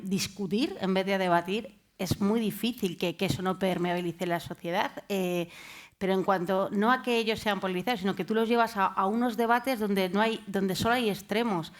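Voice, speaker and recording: A woman's voice: medium pitch, fairly even intonation, moderate pace. Hesitant woman panelist. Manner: hesitant, many fillers. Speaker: panelist, journalist. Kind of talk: panel discussion.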